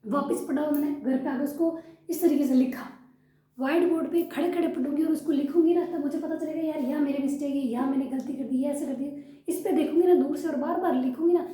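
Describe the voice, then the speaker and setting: A woman's voice: high voice, dark tone, echoey room. A young woman chatting frankly in a casual home vlog about her studying habits. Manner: chatty, frank, uses yaar often. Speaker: vlogger studying for a teaching exam. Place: room at home.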